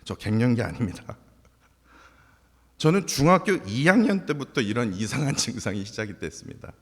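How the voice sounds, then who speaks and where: A man's voice: medium pitch, sing-song, normal speed, breathy edge. A man in his forties preaching a confessional, emotional sermon to his congregation. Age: 40s. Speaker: pastor. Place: church sanctuary. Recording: long hall reverb.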